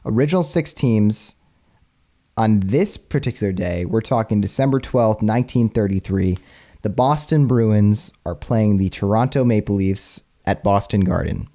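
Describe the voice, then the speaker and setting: A man hosting a casual history podcast, chatty and quick to laugh. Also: lowish voice, mellow. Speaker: podcast host.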